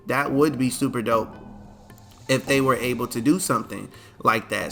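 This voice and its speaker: Sleepy, chatty man with bright tone. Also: mid-range voice. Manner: laid-back, chatty, slangy. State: sleepy, stifling yawns. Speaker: gaming video host. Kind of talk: casual commentary to camera.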